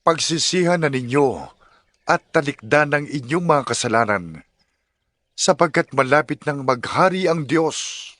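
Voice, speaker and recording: High-pitched fiery desert prophet. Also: male voice, lively intonation, unhurried, fairly bright tone, no room sound. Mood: urgent preaching. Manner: declamatory, exhorting. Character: fiery desert prophet, stern man preaching repentance. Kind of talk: dramatized scripture audio drama. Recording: music behind the voice. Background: music.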